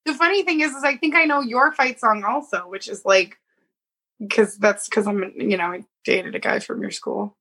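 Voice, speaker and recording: A woman's voice: a little high, moderate pace, pushed and bright, husky. A woman co-hosting a podcast, telling rambling stories in casual chat. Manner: rambling, filler-heavy storytelling. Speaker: podcast co-host.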